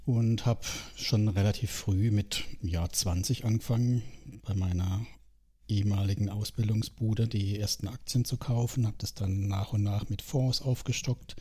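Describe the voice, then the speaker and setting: Relaxed southern German man in his forties. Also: on the low side, moderate pace, husky. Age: 40s. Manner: relaxed, rambling, frequent fillers and tag questions. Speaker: podcast guest. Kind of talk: casual conversation.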